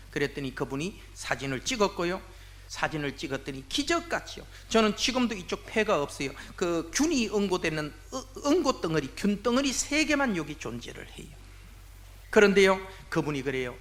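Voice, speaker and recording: A man in his sixties, a church elder giving a testimony sermon, telling his story in an animated way and acting out the voices of the people in it. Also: sits high, brisk. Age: 60s.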